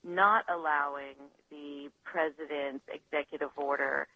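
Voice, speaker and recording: A woman lawyer, a guest on a radio show, talking over the phone in a measured, analytical way with some hesitations. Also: low-pitched, steady tone, no echo. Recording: dull phone line, dry.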